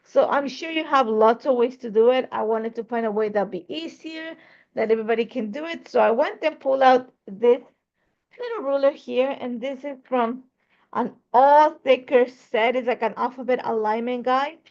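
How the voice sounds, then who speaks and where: Gravelly chatty crafting woman. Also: fairly high pitch, normal speed, darkish tone, muffled recording. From Ecuador. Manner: chatty, rambling, corrects herself mid-sentence. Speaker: scrapbooking crafter demonstrating a layout. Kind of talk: casual craft tutorial talk.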